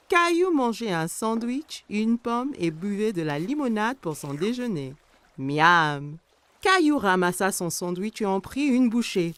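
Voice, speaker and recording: A woman's voice: mid-range voice, fairly bright tone, no room sound. A woman reading scripted narration for a children's cartoon story. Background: background music.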